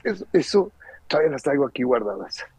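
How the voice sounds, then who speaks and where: A middle-aged man with a Mexican accent gives an earnest, emotional personal testimony. His voice is husky and gravelly. The recording is dry and dull, with a lo-fi sound. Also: mid-range voice, big pitch swings, fast talker, a little mellow, dry recording. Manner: earnest, emotional storyteller who acts out the voices in his story. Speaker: guest giving a personal testimony.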